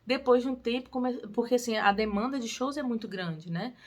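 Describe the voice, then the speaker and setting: Singing teacher lady, young, chatty and upbeat, voice jumps up when she stresses stuff. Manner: lively and encouraging, with quick pitch lifts on emphasis. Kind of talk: casual tutorial talk to camera.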